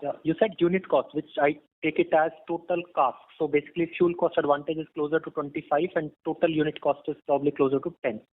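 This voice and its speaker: A man with a slightly high voice talks very quickly over a phone-like line. He is an analyst asking follow-up questions on a conference call. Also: level tone. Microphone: telephone line. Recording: phone-like line with faint background noise.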